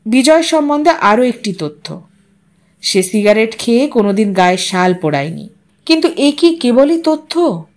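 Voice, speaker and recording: A woman narrating a literary story in an expressive, measured, dramatic way. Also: on the high side.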